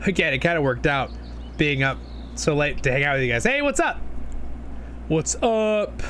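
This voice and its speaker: A man's voice: on the high side, expressive, normal speed, a bit bright, a little hiss or hum. A man in his twenties from Southern California, chatting casually and rambling to viewers on a live stream while a bit sniffly from a cold. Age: 20s. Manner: rambling, chatty, talks to chat. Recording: music playing behind.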